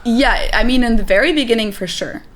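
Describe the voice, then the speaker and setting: A woman's voice: a little high, a little fast. A woman in her twenties from Germany with a German accent, a native German speaker, chatting casually as an interview guest with plenty of "like" fillers. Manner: relaxed, chatty, lots of "like" fillers and light laughs. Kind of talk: casual chat.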